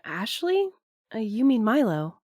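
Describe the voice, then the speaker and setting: A woman's voice: fairly high pitch, big pitch swings, unhurried, darkish tone, dry recording, clean studio sound. A woman playing an earnest, hesitant young courier in a naturalistic audio drama, speaking thoughtfully. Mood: uneasy, guarded.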